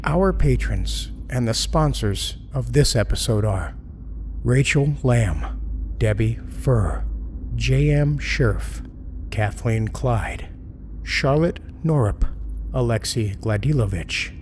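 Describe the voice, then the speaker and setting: A man hosting a podcast, reading scripted credits and announcements in a measured, deliberate way. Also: mid-range voice, animated, a little mellow, a little hiss or hum. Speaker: podcast host.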